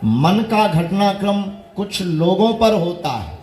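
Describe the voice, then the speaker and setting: A man's voice: high voice, sing-song, darkish tone, reverberant, a little hiss or hum. A man giving a devotional sermon, instructing listeners on mantra practice and posing a chain of rhetorical questions. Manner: slow, measured, repeating rhetorical questions. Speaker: spiritual teacher.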